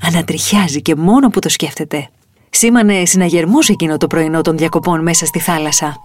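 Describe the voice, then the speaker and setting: Expressive woman reading a picture book. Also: sits low, slight background noise. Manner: expressive, lilting. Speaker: storyteller.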